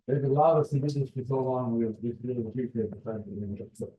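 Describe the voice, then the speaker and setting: A man hosting a meeting, giving halting, appreciative closing remarks informally in a meeting room. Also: mid-range voice. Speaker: meeting host. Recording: dull, echoey room sound.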